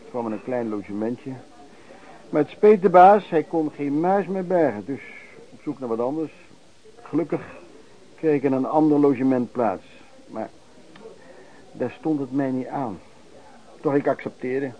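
An actor playing a rough, hard-drinking vagrant pedlar who reminisces in colloquial, old-fashioned, hesitant anecdotes in a Dutch radio play. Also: male voice, mid-range voice, animated, unhurried, pauses often, natural voice. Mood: reflective. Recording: dull, lo-fi radio play recording.

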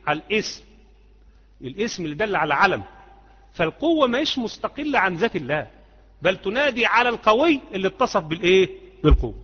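A man's voice: high voice, very animated, quick pace, pauses often, fairly bright tone. A man with an Egyptian accent gives a live religious lesson, explaining points conversationally and putting questions to his students. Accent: Egyptian Arabic. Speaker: Islamic creed teacher. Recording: muffled audio with long hall reverb.

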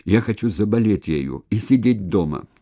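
A man's voice: lively intonation, normal speed, mellow. A man voicing a drunk young male army recruit who cries and shrieks that he will not go to war, in an audiobook. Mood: weeping. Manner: stammers; slurred, weepy and shrill.

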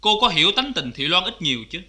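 Stern judge, formal questioning, very bright tone, cải lương drama. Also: male voice, high voice, very animated, quick pace, exaggerated voice.

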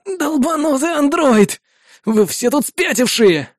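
A man's voice: high-pitched, lively intonation, moderate pace, darkish tone, slightly rough, no echo, clean studio sound, pitched above the performer's own voice. A man voicing a sobbing, wounded soldier pleading for help. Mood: hysterical anger. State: in pain, crying. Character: panicked wounded male soldier trapped in wreckage. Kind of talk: audiobook character voice.

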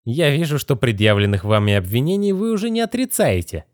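A man's voice: fairly high pitch, sing-song, a little fast, a little mellow, no echo, studio quality, voice pushed up. A man voicing a vain, cold young male magician in a haughty, condescending manner. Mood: coldly threatening. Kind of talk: audiobook character reading.

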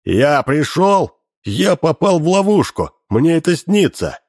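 Blustering greedy pudgy man, put on by a male reader, raised pitch, dry close sound. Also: big pitch swings, moderate pace, a little mellow, no echo. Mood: bewildered. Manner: blustering, indignant. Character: pompous, dazed pudgy man, full of greed.

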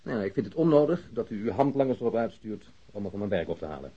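A scoffing, indignant suspect in a radio drama. The voice is low, very hoarse-edged and mellow, with lively swings of intonation. The sound is a little dull. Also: male voice, fast. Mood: irritated. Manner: scoffing, irritated, evasive. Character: defiant, indignant male airline worker held as suspect. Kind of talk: Dutch radio play acting.

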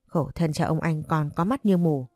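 A woman's voice: sits low, darkish tone, no echo, faint music behind. A woman voicing a grown daughter who gossips bluntly and indignantly. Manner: blunt, fast and scolding.

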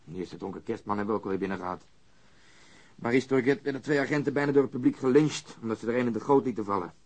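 An actor playing an irritable, cynical police detective in a radio drama, impatient and grumbling. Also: male voice, medium pitch, quick pace, darkish tone, close to an everyday voice. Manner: grumbling, sardonic.

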